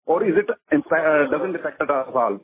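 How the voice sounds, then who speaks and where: A man's voice: fairly high pitch, animated, normal speed, crowd noise. A man, calling in as an investor and asking questions deferentially on a muffled line. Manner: deferential, addresses listener as sir. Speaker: individual investor caller. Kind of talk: caller question on earnings call. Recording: muffled narrow phone line.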